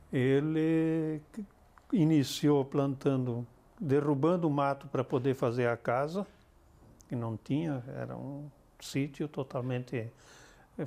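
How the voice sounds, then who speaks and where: An older man with a southern Brazilian accent, recollecting in a measured, explanatory, conversational way as an interview guest. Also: medium pitch, warm tone. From Santa Catarina, southern Brazil. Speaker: interview guest, retired army colonel.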